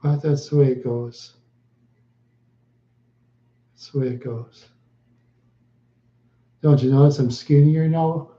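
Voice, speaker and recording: A man chatting slowly with viewers on a live stream, answering in short, halting phrases and often repeating himself. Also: on the high side, steady tone, mellow, roomy sound, muffled recording. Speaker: livestreamer.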